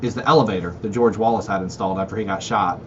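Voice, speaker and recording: A man who talks fast, spinning wry anecdotes as a radio guest. His voice comes through slightly dull audio with a faint hiss. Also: lowish voice, a bit bright. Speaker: radio show guest, state official. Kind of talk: casual talk radio chat.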